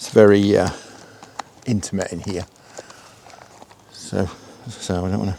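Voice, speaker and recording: A man with a fairly low voice speaks quietly at a moderate pace in a flat monotone, with noticeable background noise behind him. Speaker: angling vlogger. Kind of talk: casual vlog narration. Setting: outdoors by a river. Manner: quiet, kept-down voice.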